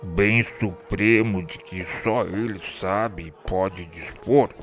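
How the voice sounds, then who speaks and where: A man's voice: low-pitched, slow pace, faint music behind. A man with a Brazilian accent playing a tormented spirit confessing a murder, in a grave, declamatory radio drama style. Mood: anguished remorse.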